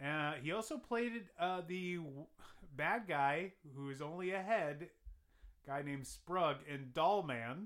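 In a very clean recording with a silent background, a man with a high pitch and lively intonation speaks at a fairly slow pace, leaving long, frequent pauses. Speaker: podcast host. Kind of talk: casual chat; mock wrestling ring announcer intro.

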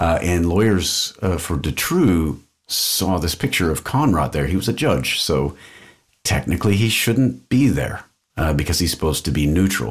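With a Texan accent, a man talks in a very deep, low pitch with vocal fry, lively intonation and very even loudness. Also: moderate pace. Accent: American, Texan. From Texas, Austin. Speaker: podcast creator and investigator. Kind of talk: interview.

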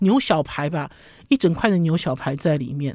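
A woman's voice with very wide pitch swings and a moderate pace, on a very clean recording with a silent background. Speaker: radio host. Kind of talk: radio food talk show monologue. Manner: chatty with many fillers.

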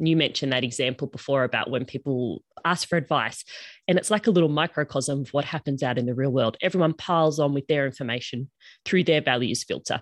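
Against a quiet background, a woman with an Australian accent talks very fast in a very deep, low pitch. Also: ordinary pitch variation, dry, close sound with no echo. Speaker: dietitian and business coach. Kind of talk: casual interview.

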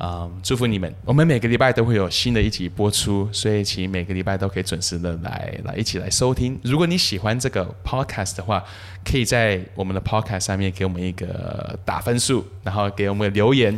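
Here is a man with a plain, everyday voice, fairly low in pitch with ordinary pitch variation. He talks at a fairly quick pace with hardly any pauses. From Taiwan. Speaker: podcast host. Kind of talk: casual chat.

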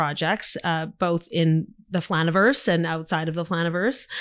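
At a moderate pace, a woman with a Canadian accent speaks in a fairly low pitch, captured in a very clean recording with a silent background. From Alberta, Canada. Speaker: actress. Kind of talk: interview. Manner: animated.

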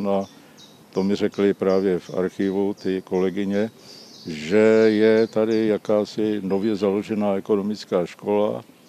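Fairly low in pitch, this man's voice carries a dark, mellow tone. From Czechia, Prague. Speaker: retired teacher and amateur theatre director. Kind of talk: casual interview.

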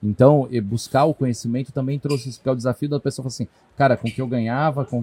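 Dry and close with no echo, a man with a medium pitch and a dark, mellow, somewhat breathy tone talks at a very fast pace with fairly even intonation. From interior of São Paulo state. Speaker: education franchise executive. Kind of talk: casual chat. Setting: trade fair.

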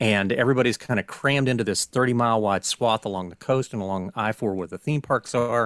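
In an American accent, the speaker goes at a very fast pace with hardly any pauses, on a very clean recording with a silent background and a dry, close sound with no echo. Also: man, medium pitch for a man, ordinary pitch variation. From Florida, Pensacola. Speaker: journalist and author. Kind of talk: interview.

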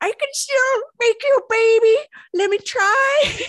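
A woman does a put-on character voice at an extremely high pitch. The sound is dry and close, with no echo. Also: fairly slow pace. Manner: pleading, comical.

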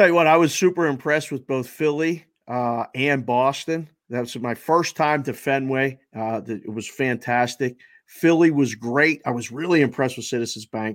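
With an American accent and an unremarkable speaking voice, a man talks at medium pitch and a moderate pace, with ordinary pitch variation. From Pittsburgh, Pennsylvania. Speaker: sports betting analyst, former hockey player. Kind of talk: casual chat.

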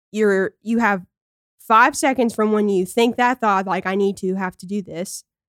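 A woman speaks with a Southern US accent at a moderate pace, with ordinary pitch variation. The recording is very clean with a silent background and a dry, close sound with no echo. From Tennessee, Nashville. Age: 20s. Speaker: fitness challenge participant, mother. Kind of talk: casual chat.

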